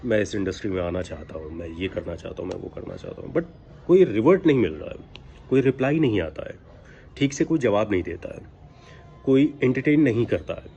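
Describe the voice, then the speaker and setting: Animated man coaching, noisy background. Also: fairly low pitch, brisk, creaky, highs cut off. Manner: admonishing, emphatic, rhetorical questions. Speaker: voice-over coach. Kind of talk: informal instructional talk to aspiring voice artists. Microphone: built-in device microphone, no mic attached. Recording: background noise, recorded without external microphone. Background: ambient noise from outside.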